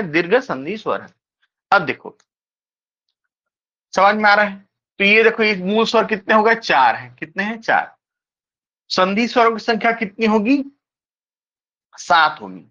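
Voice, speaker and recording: Slow, bright-voiced tutor who keeps quizzing. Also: medium pitch, muffled recording. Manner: slow, repetitive, keeps checking with rhetorical questions. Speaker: coaching class teacher. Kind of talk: exam-prep grammar lecture.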